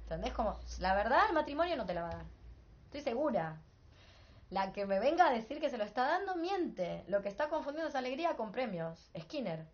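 A woman's voice: big pitch swings, fairly quick. A woman with a Rioplatense accent teaching an informal philosophy workshop, emphatic and full of rhetorical questions. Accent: Rioplatense Spanish. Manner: emphatic, rhetorical, asks "entendés?" often. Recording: muffled low-fidelity recording.

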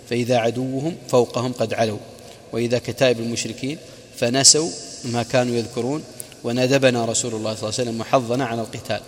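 A man, a sheikh, giving a religious lecture that retells old narrations and adds quick glosses of archaic words. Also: mid-range voice, in a large hall. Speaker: sheikh teaching prophetic biography.

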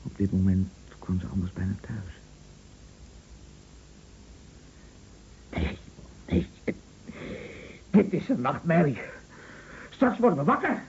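An actor playing an anguished bedridden husband in a Dutch radio play, brooding and halting, often repeating his words and dropping to whispers. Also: mid-range voice, huge pitch swings, darkish tone. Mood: dazed, distraught. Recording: dull, noisy old radio recording.

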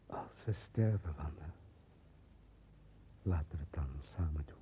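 A man's voice: extremely low pitch, unhurried, dark tone, slight background noise. A man acting a broken, guilt-ridden, dreamy down-and-out brother in a 1960s radio play, subdued and brooding. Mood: tender, fatalistic. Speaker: actor in a radio drama.

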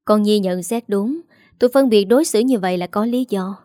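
A woman's voice: medium pitch, a little fast, dark tone, no echo, clean studio sound, lightly acted. A woman voicing a harsh, scolding old mother-in-law with a cutting, contemptuous manner.

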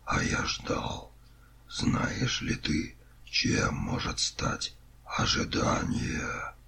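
A man voicing an ancient imprisoned male being, proud and remorseful, in whispered role-play with a gravelly, brooding delivery. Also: very deep voice, animated, pitched below the performer's own voice, exaggerated voice. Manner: slow, brooding.

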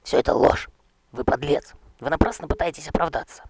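A man shouting as a zealous young knight. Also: a little high, fairly quick, a crowd in the background, pitched above the performer's own voice, lightly acted. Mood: raging. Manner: shouting accusations. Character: young male knight, zealous and self-righteous. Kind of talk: audiobook character voice.

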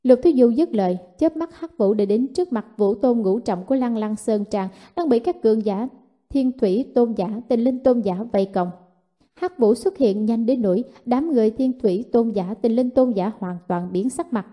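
A woman narrating a martial fantasy novel in steady, even storytelling. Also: a little high, moderate pace. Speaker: audiobook narrator.

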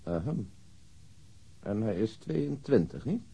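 A man's voice: fairly low pitch, big pitch swings, slow, gravelly, mellow, breathy edge, full character voice. An actor playing a stolid, pedantic male police detective, precise and humorless, in a Dutch radio crime drama. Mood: matter-of-fact.

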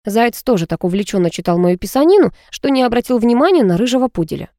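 A woman narrating a first-person story aloud, lively and expressive with ironic asides. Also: on the high side, quick pace, no room sound, studio quality. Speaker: audiobook narrator.

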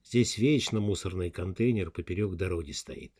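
A talkative middle-aged ambulance driver, chatty and a bit condescending, played by a man reading aloud. His voice is deep, lifted slightly above the narration. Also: moderate pace, a little mellow, slightly rough.

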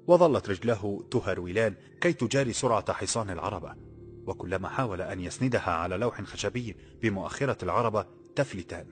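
Fast-reading low-voiced male narrator. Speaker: audiobook narrator. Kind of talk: scripted narration.

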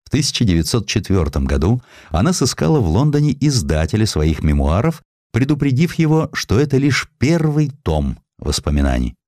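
A man narrating a historical essay as an audiobook, in a dramatic, expressive storytelling manner. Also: medium pitch, normal speed, few pauses, no echo, clean studio sound.

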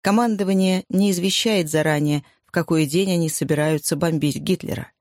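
A woman's voice: fairly low pitch, brisk, a little mellow, dry recording, clean studio sound, close to an everyday voice. A woman reading the part of an easygoing young wartime airman, good-humoured and matter-of-fact.

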